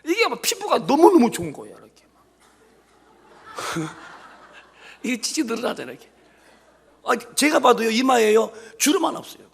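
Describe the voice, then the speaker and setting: A man's voice: extremely high pitch, creaky, husky. A man in his fifties preaching a humorous sermon as a pastor, joking and firing rhetorical questions at the congregation. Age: 50s. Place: church sanctuary.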